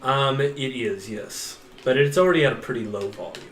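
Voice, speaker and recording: Unhurried man narrating a tabletop game. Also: mid-range voice, a bit bright. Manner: unhurried, descriptive, chuckles often. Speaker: game master. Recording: echoey room with faint noise.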